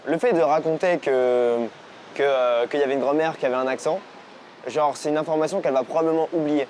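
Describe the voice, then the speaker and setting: A man working as a dating coach, giving energetic, slangy coaching commentary out on a city street. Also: on the high side, a little fast, slight background noise. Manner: energetic, casual slangy talk.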